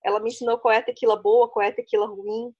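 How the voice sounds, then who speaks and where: A woman's voice: fairly high pitch, little pitch movement, quick pace, warm tone, husky, highs cut off. A woman from Brazil, co-hosting a casual chat podcast, chatty and laughing often. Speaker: podcast co-host.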